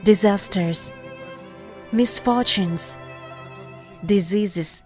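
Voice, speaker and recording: A woman reading a scripted spiritual voice-over in a measured, deliberate way, phrase by phrase with pauses. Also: medium pitch, a little mellow. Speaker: narrator reading an article. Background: music.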